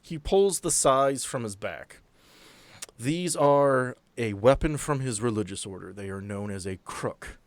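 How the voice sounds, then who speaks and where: A man's voice: mid-range voice, lively intonation, a little slow, no room sound. A man working as game master, moving between tabletop roleplay narration and casual chat.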